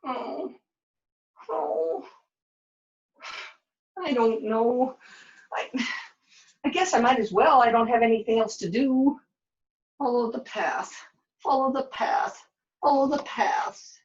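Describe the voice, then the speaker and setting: A woman's voice: fairly high pitch, slow, pauses often, muffled recording, voice pushed up. A woman voicing a flustered, forgetful young dishwasher in a puppet show, hesitant and dithering. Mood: resigned. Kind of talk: puppet show character acting.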